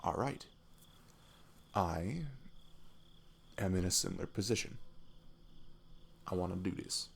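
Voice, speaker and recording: A man playing a shy, affectionate young best friend in an intimate ASMR roleplay, speaking softly and haltingly with a giggly manner. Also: deep voice, gravelly, exaggerated voice. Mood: earnest, careful. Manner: halting, giggly, soft-spoken. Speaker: audio roleplay performer. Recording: faint noise, night crickets behind. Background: crickets and night insect ambience.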